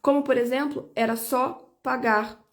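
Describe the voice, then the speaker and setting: A woman's voice: a little high, steady tone, unhurried. A woman lawyer speaking straight to her viewers about her own detention. She talks emphatically and indignantly, and repeats her points to drive them home. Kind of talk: personal video statement.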